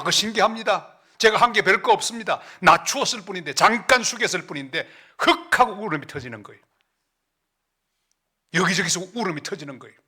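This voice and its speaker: A middle-aged pastor with a Gyeongsang accent preaching a sermon in a church, storytelling with big swings and sudden hushed, slow asides. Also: male voice, high voice. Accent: Gyeongsang Korean. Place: church sanctuary.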